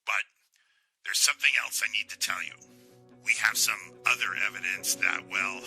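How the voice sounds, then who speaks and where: A man playing a grave, formal sheriff in an audio drama, speaking in a measured, official way. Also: sits low, steady tone, gravelly, pushed and bright, soft background music, heavily acted, poor audio. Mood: grave, hesitant.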